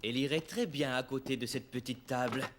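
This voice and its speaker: A man's voice: mid-range voice, a little fast, noisy background, natural voice. A man playing a kindly, encouraging young father in a children's cartoon, talking simply to his small son.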